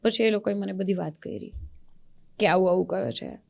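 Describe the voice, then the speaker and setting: A woman's voice: mid-range voice, normal speed, creaky. A young woman from Gujarat with a Gujarati accent, an actress earnestly recounting a painful past relationship as a podcast guest. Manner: earnest, animated when recounting anger. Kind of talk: emotional personal storytelling.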